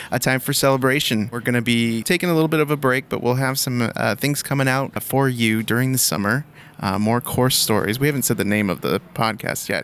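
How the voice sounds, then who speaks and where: At a medium pitch, this man talks at a fairly quick pace with hardly any pauses. His loudness is very even, and his pitch variation is ordinary. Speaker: podcast co-host, media specialist. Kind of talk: casual chat. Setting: bar on a university campus.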